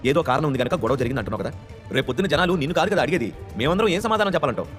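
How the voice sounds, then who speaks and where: A sensible middle-aged uncle with a dry, sarcastic edge in an audio story, voiced by a male narrator, raised in pitch. He speaks quickly and with lively ups and downs. Faint music runs underneath. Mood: stern. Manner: measured, a little sarcastic.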